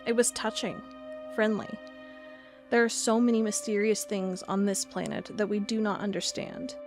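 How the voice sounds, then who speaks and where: A woman acts out a stubborn, driven investigator of strange creatures. She speaks with dramatic, expressive intensity at an average pitch, as in an audio drama. Soft music sits behind her voice. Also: normal speed, close to an everyday voice. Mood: tender, reflective. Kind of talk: audio drama narration and dialogue.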